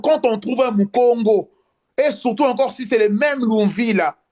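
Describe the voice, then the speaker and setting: A man speaks as a guest in a casual live video chat with a high voice. He talks earnestly but haltingly and often restarts his sentences. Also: darkish tone. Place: in France.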